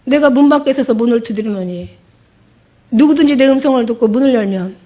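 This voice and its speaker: A woman's voice: a little high, fairly quick, mellow. A middle-aged woman pastor giving an emotional testimony sermon, acting out the voices in her story.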